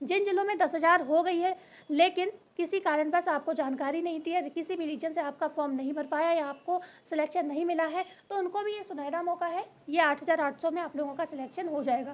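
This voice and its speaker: A woman speaks at an extremely high pitch with fairly even intonation. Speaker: online educator for government job exams. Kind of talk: informational video talk. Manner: usually fast.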